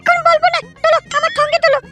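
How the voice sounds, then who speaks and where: A woman voicing a cheeky, scheming little boy in a comedy cartoon, whiny and excitable. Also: extremely high pitch, racing, faint music behind. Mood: excited, scheming.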